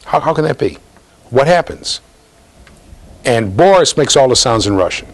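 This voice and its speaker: A middle-aged man at normal speed and mid-range pitch teaches an interactive university lecture, posing questions to students as he speaks. He's animated and gestures often, in an office full of bookshelves connected to a classroom.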